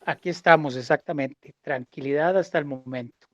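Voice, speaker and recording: A man's voice: fairly high pitch, moderate pace, muffled recording, crowd noise. A man, a writer guest on a video call, laid-back and wry. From Costa Rica. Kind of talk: casual video-call chat.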